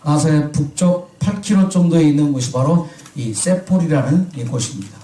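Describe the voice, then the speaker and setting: A man's voice: on the high side, moderate pace, dark tone, roomy sound, far from the mic, poor audio. A man preaching a sermon who keeps asking his congregation questions and then answering them himself. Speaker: pastor.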